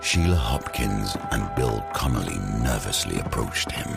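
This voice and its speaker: Gothic horror narrator: rumbling, extremely low, creaky, grave and deliberate, music underneath. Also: male voice, lively intonation, exaggerated voice. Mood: ominous. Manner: deliberate, dramatic pauses. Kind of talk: scripted audio drama narration.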